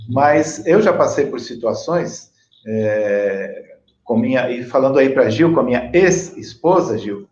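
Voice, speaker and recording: A man with a Brazilian accent hosting a conversational interview in a deliberate, hesitant, rambling way. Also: medium pitch, expressive, a little mellow. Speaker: interview host. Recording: echoey room, dull lo-fi audio.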